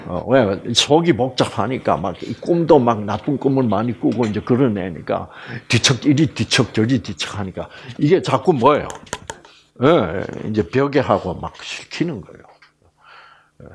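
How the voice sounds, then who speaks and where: A man's voice: mid-range voice, normal speed, creaky, slight background noise. A middle-aged man giving a health lecture, telling a personal story and acting out the voices in it. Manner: animated storytelling, acts out quoted voices.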